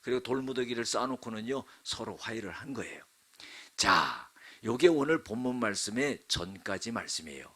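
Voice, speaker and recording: A man's voice: on the low side, very animated, normal speed, bright, forceful tone, husky. A male pastor preaching a sermon, telling the story dramatically with frequent asides to the congregation. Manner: dramatic storytelling, acts out quotes.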